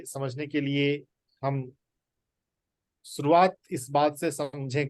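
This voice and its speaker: A man teaching the Gita in a spoken talk, slow and deliberate with emphatic pauses. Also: fairly high pitch, darkish tone, no echo, clean studio sound.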